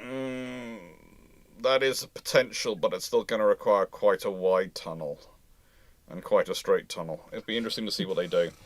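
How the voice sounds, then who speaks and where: A man hosting a casual panel discussion, explaining and speculating in a measured way. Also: lowish voice. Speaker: panel host answering viewer questions.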